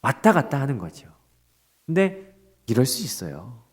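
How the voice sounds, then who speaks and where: A male pastor preaching a dawn prayer sermon, expressive and asking the congregation rhetorical questions. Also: mid-range voice, normal speed, slightly rough.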